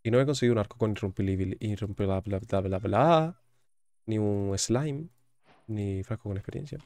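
A Spanish YouTuber with a Spain accent jokes and chats through a video game, reading its on-screen text aloud as he plays. His voice sits lowish with a darkish tone, his pace is normal, and there's no echo.

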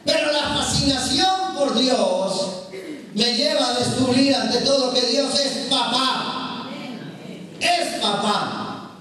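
A man's voice: very high-pitched, takes it slowly, pauses often. A man with a Colombian accent, a priest giving an emphatic, storytelling charismatic sermon in a large hall with an audience. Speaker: Catholic priest, preacher. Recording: echoey hall from far off, crowd.

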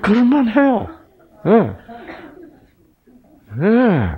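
Guy doing a bible lecture, high voice, slow and teasing, keeps asking the crowd stuff. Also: slightly rough, lo-fi sound. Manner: animated, teasing, asks audience questions.

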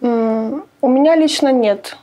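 Woman interviewee, higher voice, hesitant and emotional. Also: takes it slowly, mellow.

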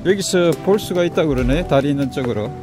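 A man casually narrating a mountain hike as he walks, pointing out the trail and the sights in an unhurried way, recorded outdoors on a handheld camera. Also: a little high, lively intonation, over music. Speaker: hiking vlogger.

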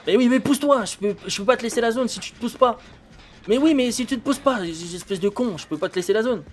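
Agitated raging male gamer, high-pitched outbursts. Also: fast talker, a little hiss or hum. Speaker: game streamer. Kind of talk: live gameplay commentary. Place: indoor streaming setup.

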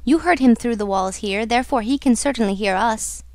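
A woman's voice: on the high side, fairly quick, darkish tone, dry recording, natural voice. A woman voicing an ardent, jealous young man in a storybook, speaking in an urgent, challenging, dramatic way. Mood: questioning. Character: ardent, jealous young male suitor, impatient and protective.

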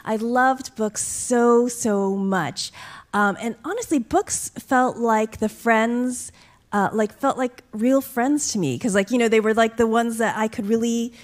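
A woman's voice: on the high side, a little slow. Reflective middle-aged woman author on stage. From upstate New York. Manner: reflective, earnest, animated when quoting others. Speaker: author guest. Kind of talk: onstage conversation. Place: stage with curtain backdrop, library event. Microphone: mic on a stand.

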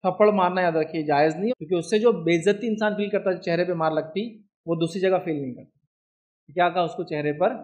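A man with a high voice and an Indian Hindi-Urdu accent gives an Islamic religious lecture, speaking a little fast in a darkish tone over dull audio. His manner is conversational, and he keeps asking his listeners "do you understand?"

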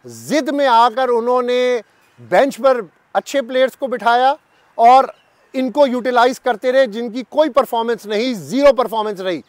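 A man's voice: extremely high pitch, lively intonation, moderate pace, no echo. A man in his fifties with a Pakistani Urdu accent, a cricket journalist giving emphatic, repetitive commentary straight to camera in a garden. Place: sunny garden outdoors.

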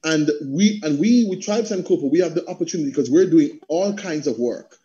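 A man's voice: a little high, a little fast. A middle-aged man with a Jamaican accent talking passionately and rhythmically on a panel video call, slipping into patois. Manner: animated, rhythmic, slips into patois. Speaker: panel guest, theatre practitioner and coach. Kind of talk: passionate conversational talk. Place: indoor room at home on a video call. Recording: dull video call audio.

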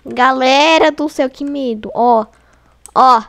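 A young Brazilian woman giving casual let's-play commentary, excitable and scared, chatting to her viewers. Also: sits high, slow pace, vocal fry. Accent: Brazilian Portuguese. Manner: excitable, frightened exclamations and chatty asides to viewers. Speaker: gaming channel host.

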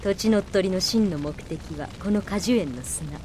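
A woman's voice: mid-range voice, normal speed, dark tone, slight background noise, natural voice. A woman playing a bold, confident young fighter with an assured, spirited delivery in a radio drama. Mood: cool, taunting. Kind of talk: Japanese anime-style radio drama acting. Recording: music behind the voice.

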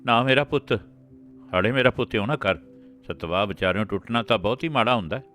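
A wailing older village grandmother, as a man puts her on in a storybook reading, her voice lifted a little above his usual low tone. She pleads and scolds in a louder, imploring way. Soft instrumental music plays faintly behind her. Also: fast talker, lightly acted. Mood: begging.

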